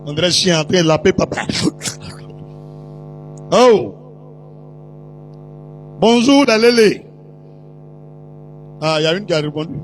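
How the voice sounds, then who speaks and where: Animated, high-voiced male preacher. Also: fairly quick, long pauses, soft background music. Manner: animated, teasing, slips into put-on voices and shouts. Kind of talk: storytelling sermon to a congregation.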